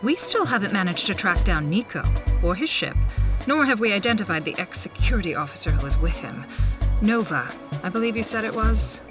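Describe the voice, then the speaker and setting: A woman playing a courteous but controlling government official in an audio drama, with formal, deliberate phrasing. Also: medium pitch, lively intonation, over music, close to an everyday voice. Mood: commanding.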